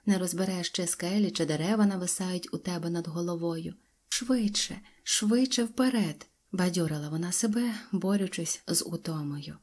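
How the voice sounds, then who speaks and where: Woman narrator, storybook audiobook, husky, lowish voice, hushed whispers at tense moments.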